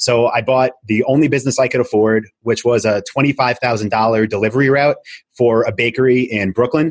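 A man with a normal speaking voice and an American accent, medium in pitch, with fairly even intonation, very even loudness and a fairly quick pace. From Long Island, New York. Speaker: online business coach. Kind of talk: interview.

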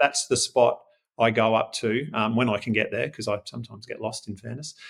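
A man with an Australian accent talks at a fairly quick pace in a medium pitch, his intonation fairly even, on a very clean recording with a silent background. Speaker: leadership speaker and local councillor. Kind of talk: interview. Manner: halting, many fillers.

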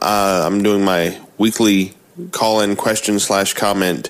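At a fairly slow pace, a man talks in an ordinary speaking voice with fairly low pitch. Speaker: website owner, podcaster. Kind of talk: call-in question.

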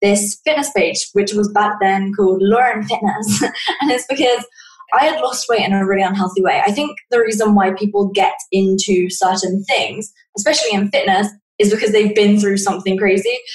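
Audible room echo surrounds a woman speaking at a moderate pace. Her medium pitch shows ordinary variation.

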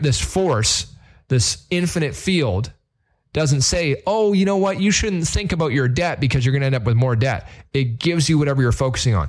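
A man with a fairly high, somewhat breathy voice speaks at a moderate pace with lively intonation and an energetic tone. The recording is very clean, with a silent background. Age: 30s. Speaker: podcast host. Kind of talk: solo motivational monologue.

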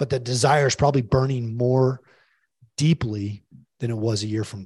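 Against a quiet background, a somewhat breathy man speaks with fairly even intonation and long, frequent pauses. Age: 40s. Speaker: former military pilot. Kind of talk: interview.

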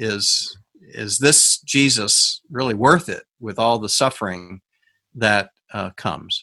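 Here, a man talks at a very slow pace. The background is quiet. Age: 60s. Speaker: pastor. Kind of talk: conversational interview about a sermon. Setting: video call.

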